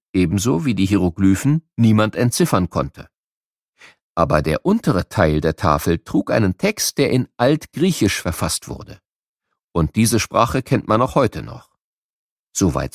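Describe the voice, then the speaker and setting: Expressive low-voiced man narrating for children. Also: dry recording, studio quality. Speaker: narrator of a children's educational audiobook. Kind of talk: scripted educational narration for children.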